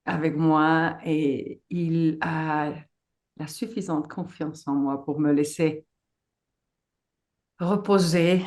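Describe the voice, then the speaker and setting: A middle-aged woman, a non-native speaker with a foreign accent, giving an informal webinar talk as a guest and haltingly searching for her words. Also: low voice, darkish tone. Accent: foreign accent in French. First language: not French.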